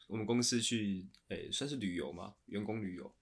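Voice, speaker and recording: A man's voice: on the low side, normal speed, breathy edge. A man co-hosting a podcast in casual, friendly chat. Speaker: podcast co-host.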